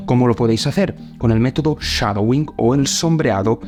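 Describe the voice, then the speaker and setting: A man's voice: mid-range voice, fairly quick, darkish tone, faint music behind. A man from giving practical tips for learning a language, speaking emphatically and addressing his viewers directly. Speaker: host.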